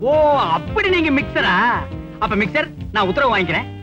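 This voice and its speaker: A man's voice: extremely high pitch, sing-song, a little fast, music in the background. An actor playing a vain, boastful village man posing as a head constable, who talks pompously and drops broken English into his lines. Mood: flirting. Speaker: comic actor in a film scene. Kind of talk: film comedy dialogue.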